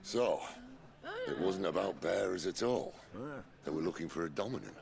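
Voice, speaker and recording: A weary wry outlaw boss in a video game, gravelly, voice swings around a lot. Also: male voice, sits low, expressive, normal speed, a crowd in the background. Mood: calm, businesslike. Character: gruff, wry middle-aged male outlaw leader, weary but roguish. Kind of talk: video game cutscene acting.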